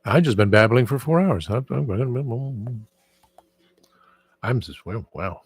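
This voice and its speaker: A man's voice: mid-range voice, expressive, slow, husky. A man hosting his own channel in casual, rambling chat, often restarting sentences and trailing off into asides. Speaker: channel host.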